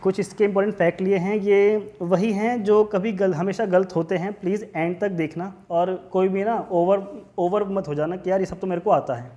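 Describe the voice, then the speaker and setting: A man's voice: high voice, steady tone, moderate pace, hardly any pauses, dark tone, highs cut off. A man teaching an exam revision lesson in a casual way, often saying "okay" and mixing in English terms. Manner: casual, repeats "theek hai", mixes English terms. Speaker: quiz teacher.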